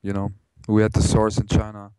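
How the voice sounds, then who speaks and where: A man's voice: lowish voice, completely flat delivery, a little fast, mellow, clear, resonant tone, no room sound. A man who grew up in Germany, introducing himself to a room in a loose, friendly, conversational way. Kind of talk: casual spoken introduction.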